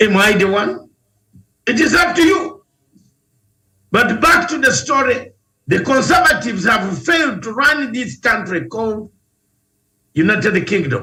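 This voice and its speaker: With a Ugandan accent, a man speaks in a raised, projected voice at a high pitch with a bright, sharp tone, very wide pitch swings, a fairly slow pace and long, frequent pauses. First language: not English. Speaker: TV show host, political commentator. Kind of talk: political monologue. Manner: animated.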